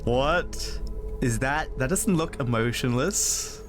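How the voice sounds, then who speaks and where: A man giving casual let's play commentary as a streamer, with a dry, deadpan way of joking. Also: medium pitch, slow pace. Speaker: streamer playing a visual novel. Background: game music.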